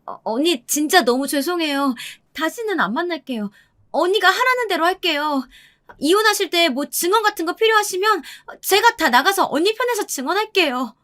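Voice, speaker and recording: A woman's voice: animated, moderate pace, sharp tone, exaggerated voice. A woman voicing a terrified young mistress who pleads and grovels, trembling, in a radio drama. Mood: pleading. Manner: trembling, pleading, high and breathless.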